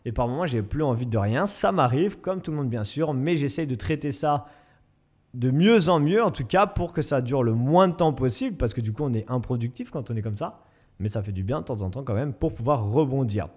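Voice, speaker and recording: A man's voice: medium pitch, animated, brisk, darkish tone. A young man hosting his own podcast, talking casually and self-mockingly with many restarts. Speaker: podcast host and fitness coach. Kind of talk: casual solo podcast monologue.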